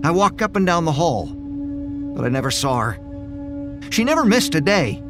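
A man's voice: on the high side, very animated, music in the background. A man playing an anxious man losing his grip. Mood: brooding narration. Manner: halting, stammering, rising to desperate pleading. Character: anxious man named Jack, unravelling into paranoia. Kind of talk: audio drama acting with narration.

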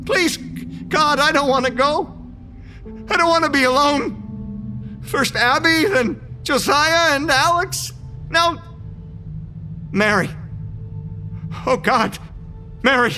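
A man's voice: fairly high pitch, lively intonation, a bit bright, soft background music. A man playing an anxious man losing his grip. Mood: desperate pleading. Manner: halting, stammering, rising to desperate pleading. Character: anxious man named Jack, unravelling into paranoia. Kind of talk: audio drama acting with narration.

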